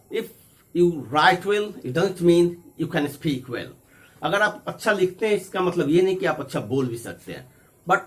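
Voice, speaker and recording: A man's voice: a little high, a bit bright. A man teaching a spoken English lesson, explaining each point in English and then repeating it in Hindi. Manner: slow, deliberate English examples.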